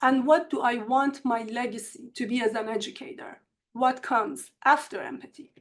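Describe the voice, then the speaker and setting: A woman with an Iranian accent presents to colleagues in an online seminar, speaking in a measured, earnest way from prepared remarks. Her voice sits a little high for a woman. It comes through a computer mic on a video call. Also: fairly even intonation. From Iran. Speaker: university instructor. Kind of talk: academic webinar presentation.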